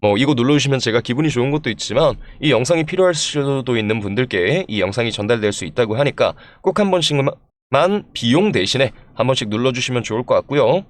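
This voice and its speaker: Male market commentator, mid-pitched with animated intonation, stuffed up with a cold, formal and courteous presenter delivery. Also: fast. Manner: polite, formal presenter address. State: congested from a throat and head cold. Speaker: stock analysis channel host. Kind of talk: explanatory stock market commentary to viewers.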